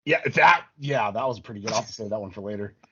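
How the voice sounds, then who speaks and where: Animated, sweary man chatting, slightly dull audio. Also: on the low side, fast, husky. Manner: sweary, informal. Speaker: podcast co-host. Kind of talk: casual chat.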